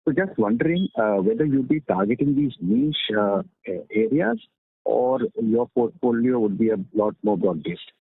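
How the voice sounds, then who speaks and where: A male analyst with a husky voice asking questions on an earnings call. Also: medium pitch, animated, normal speed. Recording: dry, muffled narrowband phone line.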